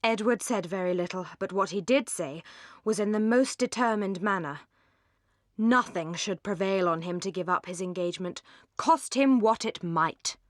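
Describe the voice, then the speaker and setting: A woman voicing a pompous, solemn English gentleman in an audiobook, long-winded and self-satisfied. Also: medium pitch, moderate pace, dry recording, studio quality, natural voice. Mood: pompous, indignant. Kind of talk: audiobook character dialogue.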